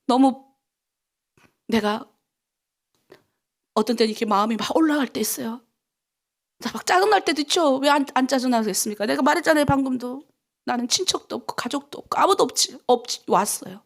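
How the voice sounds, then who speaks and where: A middle-aged woman pastor from North Korea preaching an early-morning prayer sermon, pleading and fervent, dropping to hushed whispers and rising to raised cries. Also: high voice, expressive, a little fast, gravelly, long pauses.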